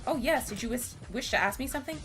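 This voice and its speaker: A woman reading game dialogue aloud, voicing bantering, earnest anime visual-novel students in a theatrical, expressive way. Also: high voice, fast, soft background music.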